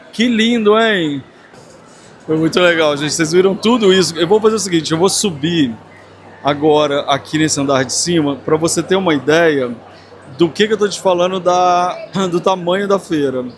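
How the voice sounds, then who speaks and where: This Brazilian host's voice sits high as he strolls through a busy, large craft fair for his casual walking vlog. He talks effusively and addresses his viewers directly, with the fair's bustle clearly audible behind him.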